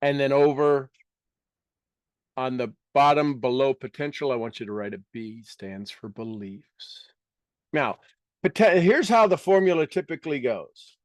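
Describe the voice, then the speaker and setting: A man's voice: medium pitch, lively intonation, a little slow, no room sound, clean studio sound. A man teaching a live motivational workshop to an audience, speaking emphatically, repeating key words and dropping casual asides.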